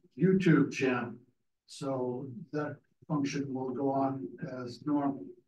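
Audible room echo accompanies a man speaking at a very slow pace with fairly even intonation. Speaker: meeting host. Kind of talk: opening announcements. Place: hall. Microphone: camera far.

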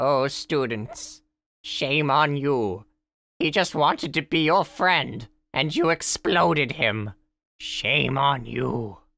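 In a cartoonish character voice, a man speaks at a very slow pace, raspy and fairly high-pitched, with very even loudness. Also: lively intonation. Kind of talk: comic puppet sketch. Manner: grandly cheerful, whimsical.

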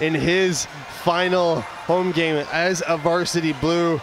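A man speaks at a high pitch and a fairly slow pace in an animated tone. Music plays in the background, and the sound is dry with no echo. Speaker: color commentator. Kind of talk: live sports commentary. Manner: animated, conversational analysis. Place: stadium.

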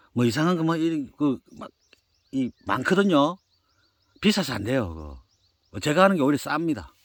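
Using lively intonation and an animated tone, a man talks at a moderate pace with long, frequent pauses, big swings in loudness and a dry, close sound with no echo. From South Korea, a city. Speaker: organic farmer. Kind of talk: tutorial. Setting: outdoors.

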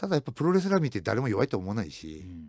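On a very clean recording with a silent background and a dry, close sound with no echo, a man speaks with very wide pitch swings. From Japan, Miyagi. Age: 50s. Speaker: former martial artist, referee and coach. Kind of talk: interview. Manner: fast.

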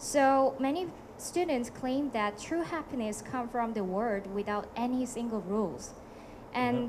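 Against noticeable background noise, a woman speaks very slowly at a high pitch with ordinary pitch variation. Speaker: university student; audience member. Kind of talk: audience question. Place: hall. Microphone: handheld.

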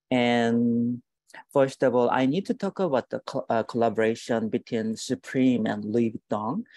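A man with a Korean accent speaks at a fairly slow pace in a dark, mellow tone, with ordinary pitch variation and a dry sound with no echo. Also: quiet background. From South Korea. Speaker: fashion design director and textile artist; guest. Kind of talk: webinar slide presentation. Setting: video call. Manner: halting. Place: home room. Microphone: video call.

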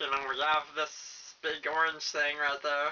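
A whiny, cartoonish character voice comes through at a middle pitch. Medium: puppet show. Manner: hyper, dramatic, whiny.

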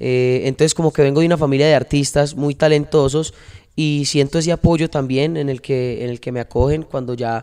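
A man's dark, mellow tone at medium pitch, fairly quick, with ordinary pitch variation and a quiet background. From Antioquia, Colombia. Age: 20s. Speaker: regional Colombian singer-songwriter; guest. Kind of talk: podcast interview. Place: studio. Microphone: handheld.

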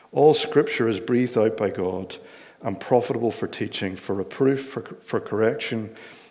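With a Northern Irish accent, a man talks at a moderate pace in a medium pitch with ordinary pitch variation against a quiet background. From Northern Ireland. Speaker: pastor. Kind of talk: sermon. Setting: church. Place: church.

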